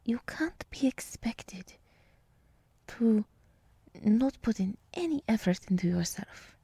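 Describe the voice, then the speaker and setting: A woman voicing a gentle, nurturing deer woman in an ASMR roleplay, speaking softly in half-whispers with soothing, reassuring pauses. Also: on the high side, expressive, breathy edge, no echo, full character voice. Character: gentle, nurturing deer woman, encouraging forest monster girl.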